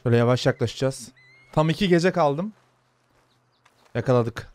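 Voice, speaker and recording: A man's voice: medium pitch, moderate pace, darkish tone, dry recording. Chatty young man playing a game. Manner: chatty, talks to viewers and soothes the horse. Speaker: gaming YouTuber. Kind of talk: casual let's-play commentary.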